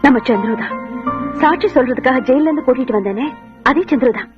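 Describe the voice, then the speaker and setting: An actress playing a proud young woman who rejects a suitor with sharp, dismissive retorts, on a dull old film soundtrack. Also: sits high, fast, music in the background, lightly acted. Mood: coaxing. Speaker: heroine. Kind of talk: Tamil film dialogue.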